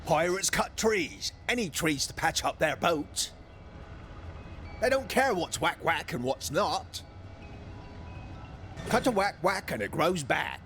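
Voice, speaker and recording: An actor playing a chatty, timid stowaway in a video game, talkative and quirky. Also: male voice, on the high side, animated, slow, pauses often, a bit bright, faint music behind, exaggerated voice. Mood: chatty, sheepish. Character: chatty, timid male stowaway who avoids fights. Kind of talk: video game character acting.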